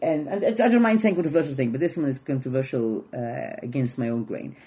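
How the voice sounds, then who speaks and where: In an Israeli accent, the speaker talks at a very fast pace with a dark, mellow tone. Very wide pitch swings stand out against a quiet background. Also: woman. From Israel (Jerusalem). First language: Hebrew. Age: middle-aged. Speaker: comedian. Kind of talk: casual chat.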